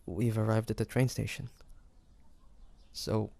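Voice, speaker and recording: A man's voice: fairly low pitch, level tone, measured pace, vocal fry, a little mellow. A man playing a flustered, smitten demon hunter in a romantic audio roleplay, hesitant and stammering, often muttering to himself. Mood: puzzled, concerned. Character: flustered young male demon hunter, secretly smitten and awkward.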